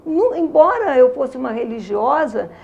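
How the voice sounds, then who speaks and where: Very animated and high-pitched, a Rio de Janeiro woman in her sixties with a Carioca accent tells her faith story as an interview guest, earnest and emotional. Her voice is gravelly and a little mellow, at normal speed, and the sound is lo-fi.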